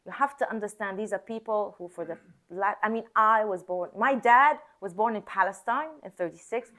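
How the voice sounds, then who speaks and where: A woman's voice: mid-range voice, normal speed, pushed and bright. A woman born and raised in Israel, speaking earnestly as a guest on a panel discussion and repeating phrases for emphasis. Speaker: guest, singer and activist.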